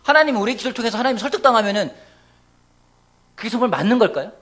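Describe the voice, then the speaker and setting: A male pastor delivers a sermon in a high voice. His delivery is very animated, and he ranges widely in pitch. He swings from loud exclamations down to hushed near-whispers. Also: quick pace. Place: church sanctuary.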